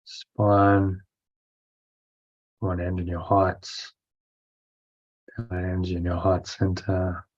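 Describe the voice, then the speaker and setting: A man leading a guided breathing meditation as a teacher, giving instructions in short phrases with pauses and reading out affirmations. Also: sits low, monotone. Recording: dull, lo-fi sound.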